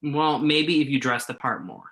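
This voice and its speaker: A man acting in a play reading as a blunt yet apologetic magazine journalist, speaking a little haltingly. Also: medium pitch, animated, fairly bright tone. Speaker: actor in a virtual staged reading.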